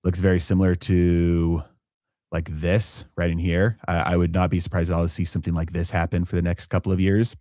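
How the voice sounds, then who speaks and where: A man's voice: low voice, level tone, dark tone, dry recording, clean studio sound. A man hosting a live finance stream, talking through markets with lots of fillers and restarts. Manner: halting, many fillers and restarts. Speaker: finance channel host.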